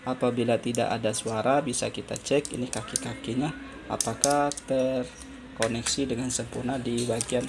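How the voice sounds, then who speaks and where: A man giving an informal hands-on phone repair tutorial as host, halting and pausing often as he explains. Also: mid-range voice, fairly even intonation. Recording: clearly noisy amateur recording.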